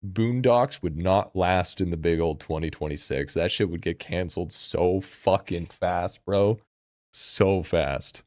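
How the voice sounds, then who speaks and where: Low-voiced frat bro guy, dry close sound. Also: unhurried, a little mellow, no echo. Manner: frat bro, slangy and profane. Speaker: live streamer. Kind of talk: casual livestream chat.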